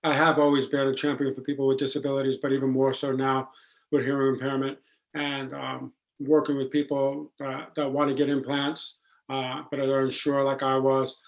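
Male podcast guest, deep flat voice, earnest with ums and restarts. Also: normal speed, creaky, low-quality recording. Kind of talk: casual podcast conversation.

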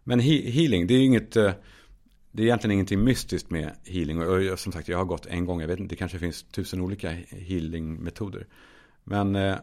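A man's voice: deep voice, steady tone, a little mellow. A man hosting his own podcast, talking in a candid, musing solo monologue, swearing casually with lots of fillers and restarts. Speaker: podcast host.

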